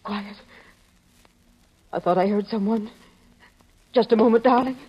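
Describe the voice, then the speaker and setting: A woman's voice: mid-range voice, a little slow, background noise, lightly acted. A woman acting an anxious, devoted wife in a melodramatic 1950s radio drama, heard on a dull vintage recording. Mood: hushed, worried.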